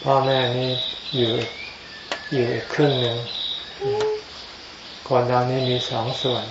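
A male Buddhist monk teaches Dhamma in a low-key murmur. He speaks slowly, in short phrases with pauses between them. The recording is echoey, with clear insect noise behind him. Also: little pitch movement. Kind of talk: informal Dhamma sermon. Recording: echoey, dull lo-fi, noisy with insects.

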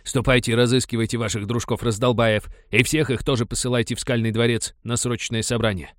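A man's voice: mid-range voice, little pitch movement, fairly quick, no room sound, studio quality, pitched above the performer's own voice, lightly acted. A man voicing a stern male tribal priest giving curt orders, in an audiobook. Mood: commanding. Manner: curt, commanding.

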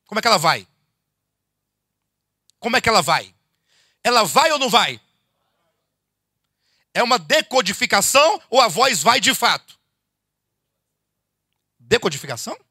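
A man's voice: high voice, normal speed, long pauses, breathy edge, no room sound, studio quality. A man from Brazil, a bishop teaching a church Bible study to his congregation in a conversational sermon, firing off rhetorical questions and calling his listeners "dear ones". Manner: animated, rhetorical questions, addresses listeners as "queridos". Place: church meeting hall.

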